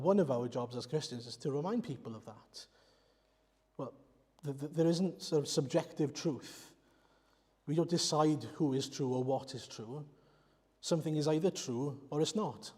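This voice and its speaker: A Welsh-speaking man from Wales preaches in a church, his voice sitting a little high for a man. He explains earnestly and turns often to rhetorical questions. The sound carries a long reverb from the church hall. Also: a little mellow. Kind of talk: sermon.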